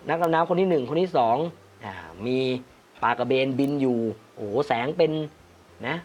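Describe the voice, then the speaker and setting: Animated man critiquing photos live. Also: medium pitch, normal speed. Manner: animated, laughs often, reads viewer comments aloud. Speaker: photography critique livestream host. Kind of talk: casual live chat reviewing viewer photos.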